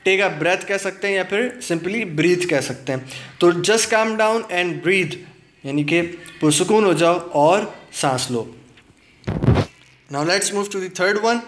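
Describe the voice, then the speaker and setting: A man teaching English word pairs in Urdu. He reads the English definitions slowly, then explains each one and often checks in with his listeners. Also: sits high, a bit bright. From Pakistan. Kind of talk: video lesson explaining English words in Urdu.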